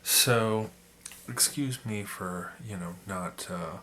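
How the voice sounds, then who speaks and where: A man with a raspy voice, sick at the moment, talking casually in a rambling opinion vlog with many restarts. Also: on the low side, slow, bright, forceful tone, a little hiss or hum. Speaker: photography YouTuber.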